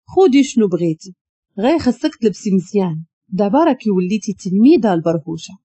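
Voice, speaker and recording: A woman's voice: medium pitch, very animated, quick pace, dark tone, breathy edge, no room sound. A woman with a Moroccan accent voicing a brusque but caring young man in a spoken story. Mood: teasing.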